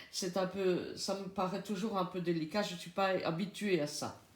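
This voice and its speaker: With noticeable background noise behind her, a woman talks at a fairly slow pace. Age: 80s+. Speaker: self-published author. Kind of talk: casual monologue to camera. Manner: halting, with many hesitations.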